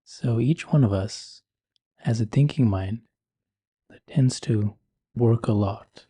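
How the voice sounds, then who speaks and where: A man leading a guided meditation in a soothing, measured and gentle manner. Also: medium pitch, slightly rough, no room sound.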